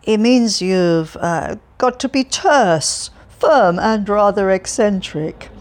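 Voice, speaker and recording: Slow and expressive, a woman with a mid-range voice reads an audiobook in the role of a cheerful, talkative old man. He rambles, trips over his words, and never loses his relentless good cheer.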